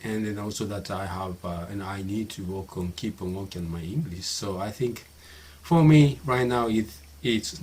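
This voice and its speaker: A man's voice: fairly low pitch, darkish tone, husky. A man in his fifties with a Japanese accent, a native Japanese speaker talking casually to his viewers, hesitant, with many fillers and restarts. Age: 50s. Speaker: YouTuber. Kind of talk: casual talk to camera.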